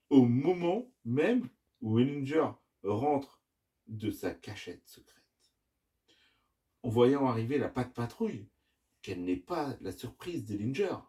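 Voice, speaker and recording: A young father reading a bedtime storybook aloud at home, slow and expressive. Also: mid-range voice, recorded from a distance. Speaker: father reading to his child. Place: family home.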